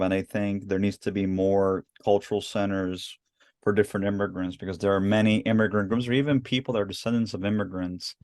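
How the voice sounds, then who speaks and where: A man with a low voice hosts an interview and talks eagerly, circling back and restarting his sentences. The sound is dry and close. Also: darkish tone, no room sound. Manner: enthusiastic, rambling with restarts. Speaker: host, founder of the organization. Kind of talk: casual interview.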